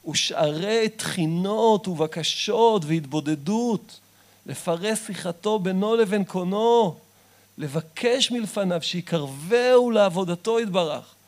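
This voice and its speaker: A man giving a Hasidic sermon, impassioned and swinging between loud exhortation and soft, confiding talk. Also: high-pitched. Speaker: Breslov Torah teacher. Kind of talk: sermon reading and explaining Hasidic text.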